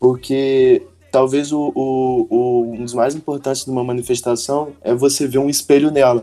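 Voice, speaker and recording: A man's medium-pitched voice with a dark, mellow tone moves at a moderate pace in a monotone, flat intonation. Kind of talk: casual chat.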